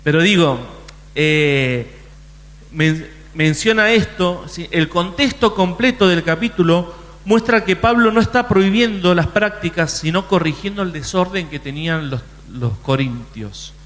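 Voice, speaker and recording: A man's voice: high voice, measured pace, a bit bright, big-room sound. A man preaching a sermon in a conversational way, often restarting his sentences. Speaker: pastor.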